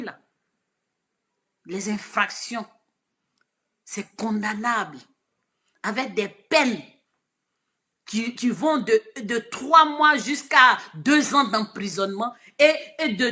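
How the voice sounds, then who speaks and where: A woman from Côte d'Ivoire, an online commentator with an Ivorian French accent, gives an impassioned, preachy live video address. Her fairly high voice swings between shouted lines and hushed asides.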